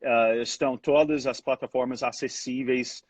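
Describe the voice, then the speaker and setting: A man's voice: medium pitch, steady tone, moderate pace, no echo. A man answering as a guest fund manager in a casual interview, hesitant, full of fillers and restarts.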